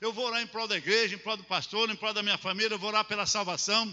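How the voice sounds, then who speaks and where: There is noticeable background noise as a man talks at a very fast pace. His pitch is high. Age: 70s. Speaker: pastor. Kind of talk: sermon.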